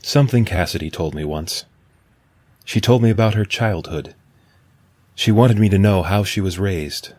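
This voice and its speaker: An actor voicing a thoughtful male android, soft-spoken and reflective. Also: sits low, moderate pace, pauses often, no room sound. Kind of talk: radio drama acting.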